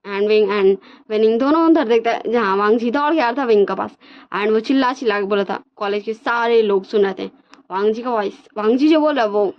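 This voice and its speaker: A woman's voice: on the high side, a little fast. Chatty woman retelling a story. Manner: chatty, informal narration. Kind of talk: casual retelling of her fan fiction. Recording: dull lo-fi recording.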